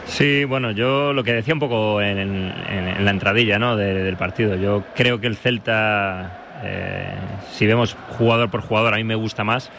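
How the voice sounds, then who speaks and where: A man's voice: on the low side, fairly even intonation, moderate pace, few pauses, a bit bright, a little hiss or hum. A man giving spontaneous football analysis on the radio, feeling his way through his opinions. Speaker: football pundit.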